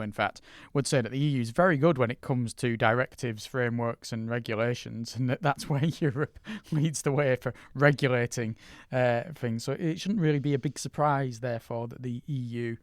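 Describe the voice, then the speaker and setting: A man's voice: mid-range voice, no echo. Male podcast host, mid-range voice, casual conversational delivery, close and dry recording.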